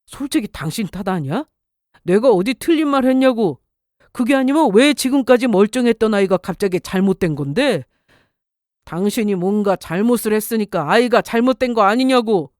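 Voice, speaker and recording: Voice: mid-range voice, a little mellow, no echo, clean studio sound, lightly acted. A voice actor playing a cold young husband who blames his wife in a radio drama. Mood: accusing. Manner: cold, accusing.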